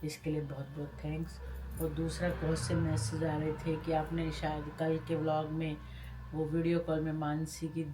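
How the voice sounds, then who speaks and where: Low-voiced middle-aged mother, heartfelt. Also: monotone, moderate pace. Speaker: vlogger's mother. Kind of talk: casual vlog chat. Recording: noisy background.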